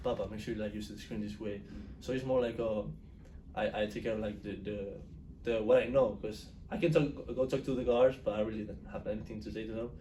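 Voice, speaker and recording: Audible room echo surrounds a man talking very fast at medium pitch, his dark, mellow tone marked by vocal fry and big swings in loudness. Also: ordinary pitch variation. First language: Spanish. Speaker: college basketball player. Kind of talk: casual interview.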